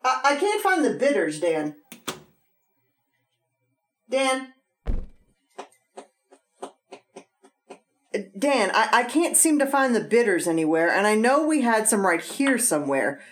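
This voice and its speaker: An actress playing an attentive, concerned wife in an old-time radio drama, polite and solicitous. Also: female voice, on the high side, sing-song, a little slow. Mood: searching, calling.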